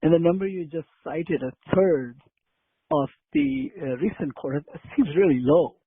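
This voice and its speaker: A man, a financial analyst, asking probing, halting clarification questions on an earnings call. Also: on the high side, expressive, creaky, husky, no echo. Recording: dry, narrow phone line.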